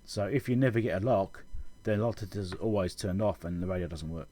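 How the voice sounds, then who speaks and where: Guy with a lowish, pretty husky voice talking thru tech stuff, kinda halting, thinking out loud. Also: fairly even intonation. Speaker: electronics repair channel host. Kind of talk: informal technical explanation of a diagram.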